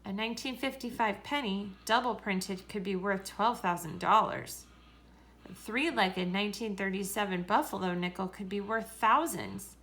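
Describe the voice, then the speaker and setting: A woman reading a children's story aloud in a deliberate, expressive way. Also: medium pitch. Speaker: story reader.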